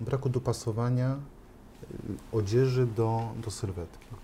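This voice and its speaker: A man speaks at a medium pitch in a somewhat breathy, dark, mellow tone with fairly even intonation. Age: 50s. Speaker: tailor. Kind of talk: interview.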